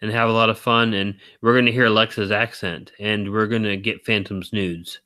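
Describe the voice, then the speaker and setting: A man hosting a live stream, talking in a rambling, teasing way with a deep baritone voice, very tired. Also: fairly even intonation, moderate pace, sharp tone, no room sound. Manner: rambling, teasing, laughs often. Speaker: stream host. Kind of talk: casual chat.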